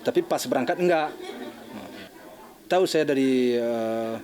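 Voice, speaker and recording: An older man, a bereaved father, recounting events in an interview in a halting, shaken way, often restarting his sentences. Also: mid-range voice, a little mellow, a faint crowd. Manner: halting, restarting, acting out phone calls.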